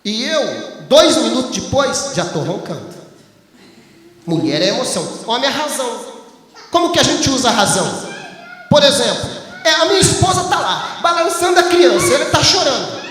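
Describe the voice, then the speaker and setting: A man preaching as a pastor, telling animated stories and acting out his wife's lines. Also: very high voice, moderate pace, slight background noise. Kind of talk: sermon. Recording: echoey hall, faint ambience.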